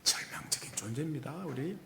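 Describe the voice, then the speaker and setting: A male pastor preaching a Sunday sermon, emphatic, full of rhetorical questions and sudden hushed asides. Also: medium pitch, very animated, a little fast, slight background noise.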